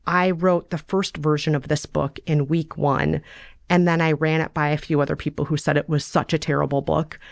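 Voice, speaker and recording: A woman co-hosting a podcast in relaxed, casual conversation, upbeat and supportive. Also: sits low, normal speed, creaky, no echo. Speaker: podcast co-host.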